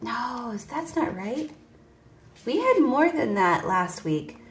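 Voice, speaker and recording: A woman's voice: fairly high pitch, sing-song, slow, roomy sound, a little hiss or hum. A woman in her forties, chatting casually to viewers about her budget while counting cash at a table. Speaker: budgeting vlogger. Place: indoors at a table. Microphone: voice heard over top-down table camera, hands only.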